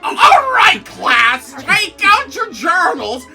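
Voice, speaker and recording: Woman as old English teacher in comedic story reading, commanding and loud, pitched well up. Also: big pitch swings, slow, full character voice. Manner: loud, projecting, exclamatory. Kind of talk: comedic dramatic fan fiction reading.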